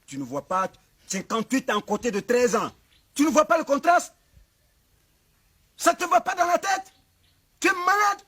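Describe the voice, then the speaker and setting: An actor playing a domineering village chief who scolds and shouts orders. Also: male voice, on the low side, expressive, slow, pauses often, slightly rough, exaggerated voice. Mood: scolding. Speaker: comedy sketch actor. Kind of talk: village comedy sketch acting.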